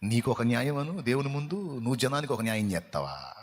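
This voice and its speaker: A man preaching a fasting prayer sermon as pastor, scolding and dramatic, firing rhetorical questions with sudden loud peaks. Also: medium pitch, animated. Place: church hall. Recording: long hall reverb.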